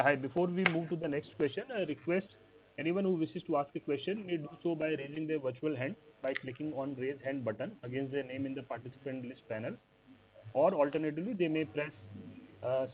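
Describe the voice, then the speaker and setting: A man moderating a call with polite procedural announcements. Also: a little high. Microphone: conference call line. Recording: narrow phone-like call audio.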